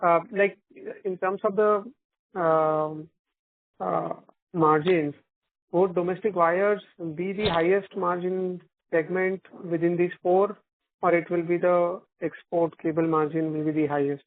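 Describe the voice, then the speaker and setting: High-voiced man, polite analyst on phone. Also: steady tone, unhurried, no echo. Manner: polite, probing, says sir. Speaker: analyst asking questions. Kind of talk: earnings call questions. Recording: tinny phone line.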